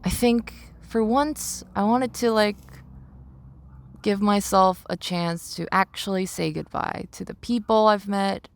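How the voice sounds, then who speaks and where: A young adult woman talking through personal reflections as a podcast host, halting and searching for words as she repeats phrases. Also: medium pitch, creaky.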